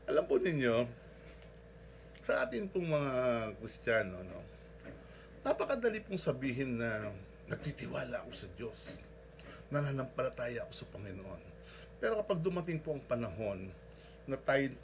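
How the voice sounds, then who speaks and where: A man's voice: medium pitch, background noise. A male pastor delivering a devotional sermon, telling a story with frequent polite particles and tag questions.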